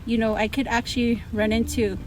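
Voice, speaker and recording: A woman's voice: a little high, flat delivery, fairly quick, rough recording. A woman from a Native American reservation in the United States, a teacher answering casually and explaining with examples.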